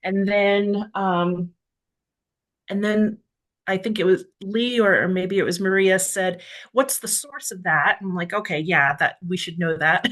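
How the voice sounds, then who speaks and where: A woman illustrator chatting casually about her work, telling a story in a lively, talkative way. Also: mid-range voice, a little slow. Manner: chatty, storytelling, laughs between phrases. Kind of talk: casual panel chat about a book.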